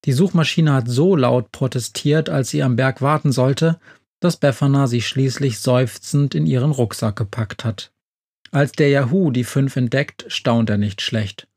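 A man narrating a children's audio story in a lively storytelling manner. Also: medium pitch, measured pace, slightly rough, no echo, studio quality.

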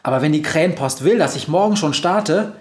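Man voicing a curious storybook witch, eager, raised pitch, echoey. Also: lively intonation, fairly quick, natural voice. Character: kind, curious adult witch, female.

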